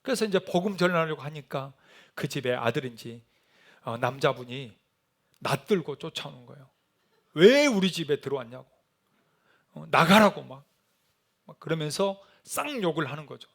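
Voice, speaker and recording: A middle-aged male pastor preaching a sermon, telling a mission story with animated storytelling and acted-out shouted quotes. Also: a little high, normal speed.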